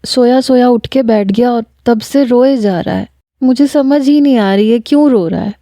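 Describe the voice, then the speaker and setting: A woman voicing a withdrawn young widow who answers softly and hesitantly. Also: fairly high pitch, no room sound, studio quality, pitched above the performer's own voice, close to an everyday voice. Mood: tearful. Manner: soft, hesitant replies.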